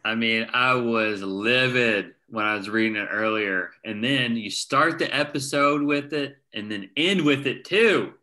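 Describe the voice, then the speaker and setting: A man's voice: medium pitch, measured pace, few pauses, bright, forceful tone. A man in a table read cast, reacting bluntly and animatedly to the story.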